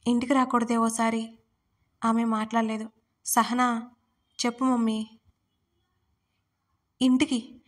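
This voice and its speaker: A woman's voice: a little high, flat delivery, takes it slowly, long pauses. A woman narrating a story in scripted style, reading out the characters' lines with small shifts in her voice. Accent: Telugu.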